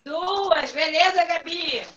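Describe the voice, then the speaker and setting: A patient woman teaches over a video call, calling on pupils by name and asking her questions again until they answer. Her voice sits high and bright. The call audio is dull and lo-fi. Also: takes it slowly, a little hiss or hum. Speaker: primary school teacher. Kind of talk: online class lesson.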